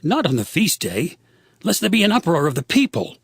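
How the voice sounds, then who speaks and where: A man's voice: fairly high pitch, huge pitch swings, fairly quick, breathy edge, no room sound, studio quality, heavily acted. An actor playing a wary, scheming male priest, urgent and conspiratorial in a dramatized Bible reading. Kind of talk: dramatized Bible audio acting.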